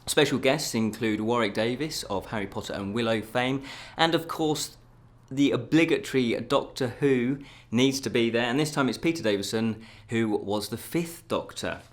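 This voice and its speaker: A man's voice: medium pitch, moderate pace. A man presenting scripted news items as a show host, in a casual, chatty way with jokey asides.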